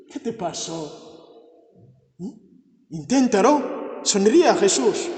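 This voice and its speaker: Fervent priest in an echoey church. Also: male voice, sits high. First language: not Spanish. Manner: fervent, repetitive invocations, rising to exclamations. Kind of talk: healing mass homily. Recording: echoey church with long reverb.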